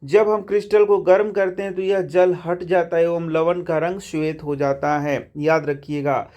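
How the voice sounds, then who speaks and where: A man's voice: on the high side, fairly even intonation, normal speed, darkish tone. A man teaching a science lesson line by line from the textbook, chatty, calling his students brother and asking questions that he answers himself. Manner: chatty, addresses students as bhai.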